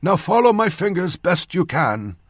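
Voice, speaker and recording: A man voicing a reassuring old ship's surgeon in an audiobook, talking loudly and briskly to his patient. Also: sits high, sing-song, no echo, clean studio sound, pitched above the performer's own voice, exaggerated voice. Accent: northern. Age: older. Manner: loud, reassuring, brisk bedside talk. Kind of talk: audiobook character voice.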